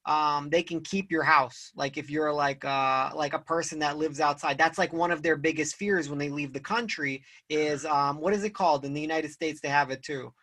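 Bright-voiced casual young man. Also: on the high side, steady tone, normal speed, hardly any pauses. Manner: casual, lots of "like" and laughs. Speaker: podcast host. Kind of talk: casual conversation.

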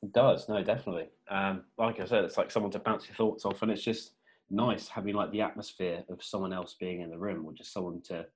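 Young male podcast co-host, deep voice, relaxed rambling chat over a video call. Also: brisk, poor audio. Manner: laid-back, rambling with many fillers.

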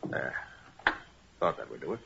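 An actor playing a confident, shrewd master detective, brisk and commanding, in 1940s radio style. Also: male voice, close to an everyday voice. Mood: shrewd, assured. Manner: brisk, commanding, self-assured. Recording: muffled, noisy 1940s radio recording.

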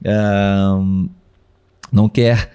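Guy cohosting a chill podcast, warm darker voice, easygoing. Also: lowish voice, very slow, clean tone. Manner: relaxed, many "né?" tags, reads viewer comments. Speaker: podcast co-host. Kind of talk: casual live podcast chat.

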